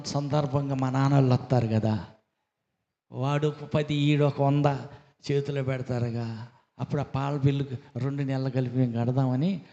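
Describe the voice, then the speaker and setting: A woman's voice: low-pitched, mellow. A man doing a pleading young wife. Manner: pleading, explaining at length. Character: anxious young wife explaining herself to her husband. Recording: dull echoey hall recording.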